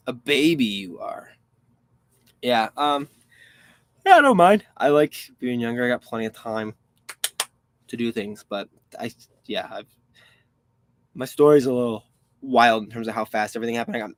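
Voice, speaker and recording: A young man in his twenties talks loosely through a live stream, answering viewers and trailing off into frustrated asides. His voice sits at an ordinary middle pitch. The sound is dry, with no room echo. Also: lively intonation, normal speed, long pauses. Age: 20s. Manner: chatty and rambling, reads chat questions aloud, frustrated asides. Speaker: online reseller hosting a live stream. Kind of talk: casual live-stream chat.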